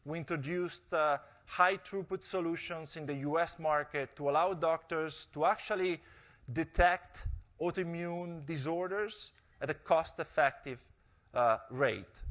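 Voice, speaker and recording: A man giving a measured corporate presentation, pausing often with fillers. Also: a little high, a bit bright, highs cut off. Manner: measured, with frequent hesitations. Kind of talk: investor presentation speech.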